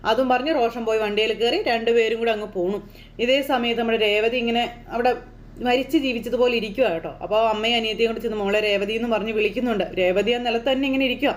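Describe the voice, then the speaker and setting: A woman in casual style quickly retelling a TV serial episode, slipping into the characters' lines as she goes. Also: a little high, a little hiss or hum. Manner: lively storyteller voicing characters' lines in passing. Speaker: serial recap narrator. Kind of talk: fast casual plot retelling.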